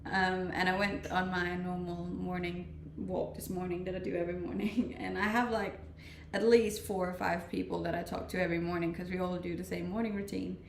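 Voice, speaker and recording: A chatty woman in her twenties from Denmark, talking loosely to her live stream viewers and often breaking into laughs. Her voice has a gravelly fry, and she sits back from the mic in a roomy, echoey space with a faint hiss underneath. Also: on the low side, level tone, a little fast, few pauses, distant mic. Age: 20s. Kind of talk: casual chat reading stream comments.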